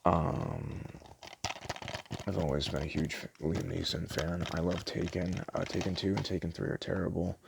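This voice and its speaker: A man talking casually in an ASMR shop roleplay, rambling and halting, often trailing off as he recommends and reads out descriptions. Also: little pitch movement, noisy background. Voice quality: very deep, gravelly, creaky. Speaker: ASMR roleplay creator playing a video store clerk.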